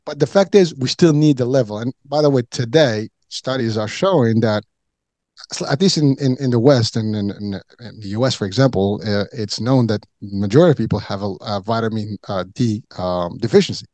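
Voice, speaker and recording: A man's voice: medium pitch, fairly quick, darkish tone, no echo. A middle-aged man from Morocco chatting as a podcast guest, rambling with many fillers and restarts. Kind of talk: casual chat.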